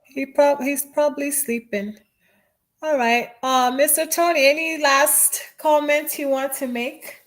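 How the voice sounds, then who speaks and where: A woman with a high, bright voice, hosting a live chat room. She is quick and upbeat and keeps the conversation moving, cheering the speakers on as she hands out turns. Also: fairly even intonation. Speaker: host of a live audio room.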